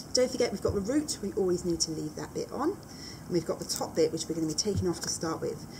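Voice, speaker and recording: A woman rattles on at a very fast pace amid noticeable background noise. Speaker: cookery teacher. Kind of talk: tutorial. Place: classroom.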